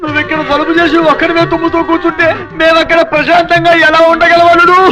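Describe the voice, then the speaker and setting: Fussy anxious father-in-law, high voice, quick pleading talk, film comedy, music behind. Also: completely flat delivery. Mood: fussing. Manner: pleading, fussing, wordplay.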